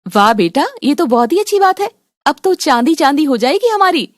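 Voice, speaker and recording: A woman's voice: fairly high pitch, expressive, moderate pace, dry recording, studio quality, close to an everyday voice. Brief: playful scheming mother-in-law, woman voice, teasing tone.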